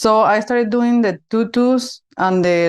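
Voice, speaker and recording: A woman speaks with a non-native accent. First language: not English. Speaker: small business owner. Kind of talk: interview.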